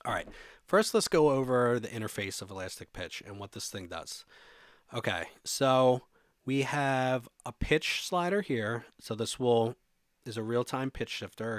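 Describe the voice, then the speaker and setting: A man's voice: medium pitch, dry recording, studio quality. A man presenting a music production tutorial in an informal, conversational way, explaining things step by step.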